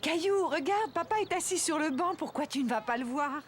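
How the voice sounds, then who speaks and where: An actress playing a gentle, upbeat mother in a children's cartoon, coaxing a small child. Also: high voice, expressive, a little fast, over music.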